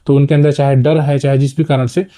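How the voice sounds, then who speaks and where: Very mellow-voiced male teacher. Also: medium pitch, flat delivery, quick pace. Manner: explanatory, frequent "ठीक है" checks. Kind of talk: exam-prep lesson.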